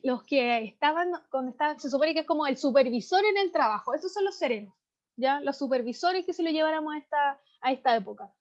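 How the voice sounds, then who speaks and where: A woman teaching a literature class online, explaining vocabulary and often checking in with tag questions. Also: sits high. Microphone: computer mic on a video call. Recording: slightly dull video-call audio.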